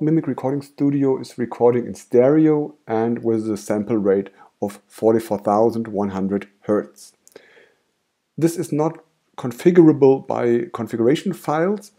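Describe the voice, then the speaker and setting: A man with a German accent, a native German speaker, calmly explaining software steps in a screen-recorded tutorial. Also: mid-range voice. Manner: calm step-by-step explaining. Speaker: tutorial host.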